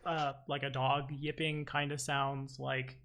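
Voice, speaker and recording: A man's voice: mid-range voice, little pitch movement, measured pace, a bit bright. A man speaking as game master, casually narrating and refereeing a tabletop game.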